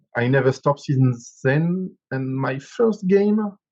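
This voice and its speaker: A somewhat breathy voice with a French accent at a very slow pace. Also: man. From France. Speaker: miniature painter. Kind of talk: interview. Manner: halting.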